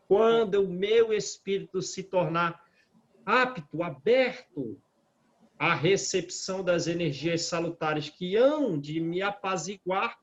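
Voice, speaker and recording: A man with a Brazilian Portuguese accent who leads a Spiritist study group. He reads scripture aloud slowly and comments on it reflectively. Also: sits high. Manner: slow and reflective, rereads passages aloud, asks "né?". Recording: dull lo-fi audio.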